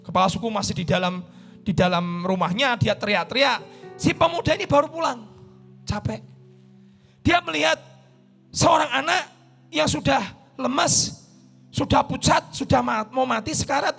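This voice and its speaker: High, gravelly Indonesian preacher man. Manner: animated, acts out voices in the story, swings between shouting and hushed. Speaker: pastor. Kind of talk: sermon storytelling.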